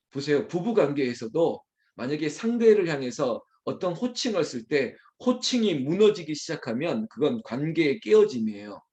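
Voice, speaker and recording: A male pastor delivering an early morning sermon in an animated way. His voice sits a little high and moves widely in pitch as he addresses the congregation directly.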